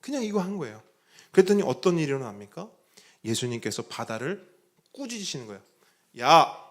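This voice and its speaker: A male pastor delivers a Sunday sermon, his voice sitting somewhat high and moving with very lively, wide-ranging pitch. He keeps putting questions to the congregation, then answers them himself. He drops to hushed, low phrases and rises again to loud emphasis. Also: fast talker. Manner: preaching with rhetorical questions to the congregation.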